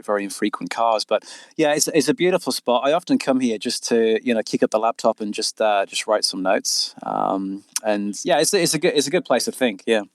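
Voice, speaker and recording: A man speaks as a guest author in a casual interview. His voice sits fairly low, and the sound is dry and close, without room echo. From Australia. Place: quiet spot by the water.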